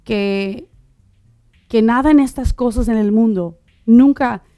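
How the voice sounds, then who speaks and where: A middle-aged woman born in Uruguay telling her personal testimony in conversation, halting, with many fillers and restarts. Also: fairly high pitch, dark tone, dry recording, clean studio sound. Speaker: guest sharing her testimony.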